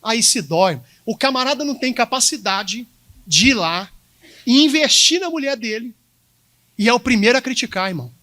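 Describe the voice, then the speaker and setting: A man's voice: extremely high pitch, animated, normal speed, sharp tone. A male pastor with a Minas Gerais accent preaching a sermon, emphatic and repetitive, speaking straight to the congregation. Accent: Minas Gerais Brazilian Portuguese. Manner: emphatic, addresses congregation directly, repeats himself.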